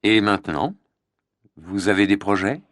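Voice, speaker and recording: A man playing a radio show host in a scripted learner dialogue, with a cheerful, animated manner. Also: on the low side, unhurried, no room sound, clean studio sound.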